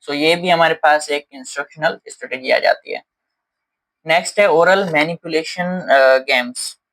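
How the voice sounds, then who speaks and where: A man with an Indian accent teaches a lesson, walking through each idea step by step. His voice is bright and forward and sits a little high, and he often pauses on fillers as he goes. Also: low-quality recording. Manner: explains step by step, with many fillers and Hindi mixed with English terms. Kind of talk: explaining lesson to camera.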